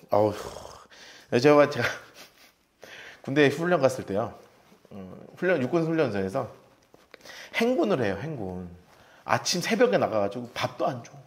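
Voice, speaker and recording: A middle-aged male pastor preaching an expository Bible-study sermon, telling his story in an animated way, acting out shouted cries and telling listeners to mark verses. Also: fairly high pitch. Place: church sanctuary.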